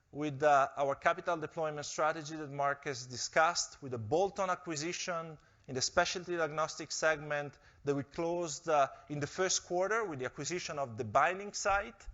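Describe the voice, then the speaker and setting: A man giving a measured corporate presentation, pausing often with fillers. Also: a little high, fairly bright tone, muffled recording. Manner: measured, with frequent hesitations. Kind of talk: investor presentation speech.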